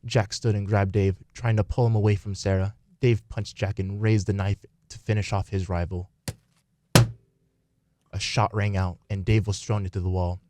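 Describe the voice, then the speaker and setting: A man's voice: lowish voice, little pitch movement, normal speed, warm tone, a little hiss or hum. A man reading scripted story narration as the narrator of a radio play.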